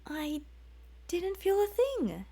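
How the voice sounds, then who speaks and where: A woman's voice: extremely high pitch, huge pitch swings, slow, warm tone, voice pushed up, exaggerated voice. A woman voicing a naive, sullen young man in a light, raised voice.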